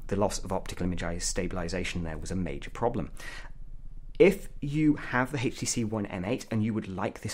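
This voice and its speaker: A man's voice: sits low, darkish tone. A man giving an opinionated, blunt product review as a tech reviewer.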